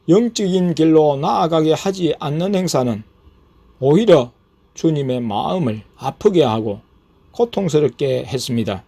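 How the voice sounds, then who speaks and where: A man, a pastor, reading aloud a scripted testimony of his experiences at a steady, measured pace. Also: mid-range voice.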